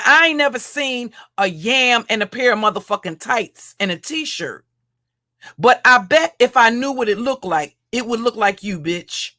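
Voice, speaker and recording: Deep-voiced woman with a mocking, profane rant. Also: fairly bright tone. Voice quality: deep, heavy voice. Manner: mocking, insulting, repeats and restarts phrases. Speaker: livestream commentator.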